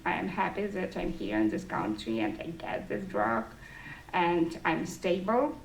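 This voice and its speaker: A woman's voice: fairly low pitch, very animated, measured pace, gravelly. A woman, giving a public speech in phrasing to an audience. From Estonia. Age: 30s. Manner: non-native English phrasing. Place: indoor forum room with an audience. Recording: distant mic, roomy echo, faint noise.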